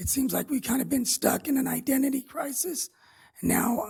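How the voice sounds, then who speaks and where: A man's extremely high-pitched voice in a dark, mellow tone. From Simi Valley, California. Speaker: mayoral candidate. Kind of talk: candidate forum statement.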